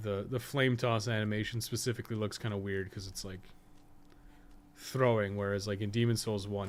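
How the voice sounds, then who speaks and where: Man rambling over noisy gameplay. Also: fairly low pitch. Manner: rambling, self-deprecating, thinking aloud. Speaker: podcast co-host and game streamer. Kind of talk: casual unscripted gameplay commentary. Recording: clearly noisy background.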